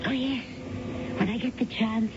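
A woman's voice: on the high side, steady tone, normal speed, close to an everyday voice. An actress playing a flirtatious, effusive woman client in a radio drama, with theatrical delivery. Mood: playful. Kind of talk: 1970s radio drama acting. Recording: dull, noisy vintage radio broadcast.

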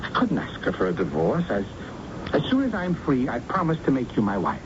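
An actor playing a wealthy older businessman in love, halting and earnest, in a radio drama. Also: medium pitch, wildly swooping pitch. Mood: pleading. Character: wealthy older businessman, pleading, lovestruck suitor. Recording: muffled, noisy old radio recording.

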